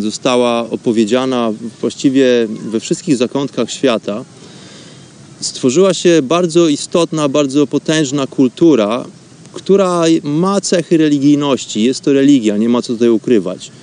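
A man hosting a spiritual radio show, speaking in an informal, reflective monologue with wordy, measured phrasing. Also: mid-range voice, a little mellow.

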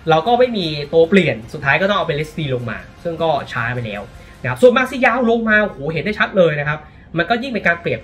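A man from Thailand giving casual, animated football commentary, often exclaiming, with faint music behind him. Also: high-pitched.

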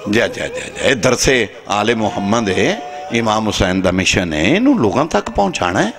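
Inside a big tent with a seated crowd of mourners, a Pakistani man preaches a passionate majlis sermon as a zakir at the mourning gathering. His fairly low voice is very animated at a normal speed, surging into dramatic climaxes and dropping off abruptly, with the assembled mourners in the background.

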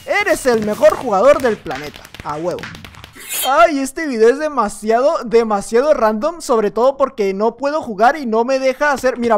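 High-voiced gamer, playful. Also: male voice. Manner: rambling, joking, playful self-talk with exclamations. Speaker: gaming YouTuber. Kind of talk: gameplay commentary.

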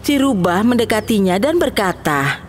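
A woman telling a children's bedtime tale in a clear, lively storytelling voice. Her pitch rises and falls a lot as she narrates. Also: normal speed, faint music behind.

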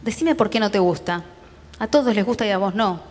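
A woman's voice: medium pitch, lively intonation, brisk, darkish tone, big-room sound, close to an everyday voice. Woman doing a harsh scolding father. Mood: angry. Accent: Rioplatense Spanish. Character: gruff irritable father scolding his young son.

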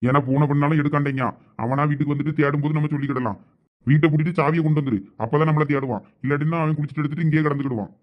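A man's voice: fairly high pitch, fairly even intonation, natural voice. A man with a Thoothukudi Tamil accent playing a husband and shop owner who lectures his wife. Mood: lecturing. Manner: brisk, lecturing. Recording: dull lo-fi sound.

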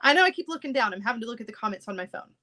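A woman's voice: a little high, very fast. A woman in her thirties with a stuffy, congested voice, chatting casually with viewers from her home craft room. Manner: chatty, animated, gestures with hands. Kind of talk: casual live chat with viewers.

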